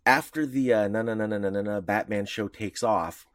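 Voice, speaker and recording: Podcast co-host, male, low voice, dry close sound, rambling casual delivery. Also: normal speed, dry recording. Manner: rambling with many fillers and restarts. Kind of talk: casual chat about comics history.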